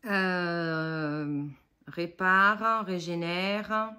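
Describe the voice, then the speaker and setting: A woman in her forties talks through her shopping haul at home, chatty and rambling, full of fillers and self-mocking asides. Her voice sits a little low. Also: fairly even intonation, extremely slow, bright, forceful tone, smooth. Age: 40s. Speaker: budget haul vlogger. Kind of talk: casual haul vlog.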